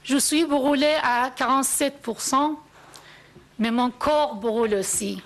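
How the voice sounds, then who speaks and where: A woman gives a solemn testimony. Her voice sits high, and she speaks slowly in deliberate, measured phrases. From Iran. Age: 40s. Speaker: activist giving testimony. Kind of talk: prepared first-person testimony.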